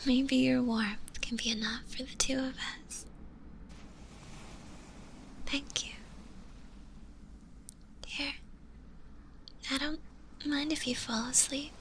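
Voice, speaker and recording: A woman voicing a gentle, lonely stitched-together zombie girl in a whispered ASMR roleplay, with a soft breathy voice and tender, hesitant delivery. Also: on the high side, a little hiss or hum, full character voice. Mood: soothing, tender. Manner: slow, hesitant, tender delivery with long pauses.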